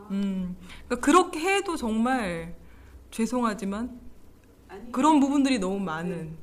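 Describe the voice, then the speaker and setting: This woman talks at a moderate pace with long, frequent pauses, her voice somewhat breathy and fairly high. Her pitch swings very widely and her loudness shifts in big swings. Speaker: reading group participant. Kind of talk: poetry reading discussion.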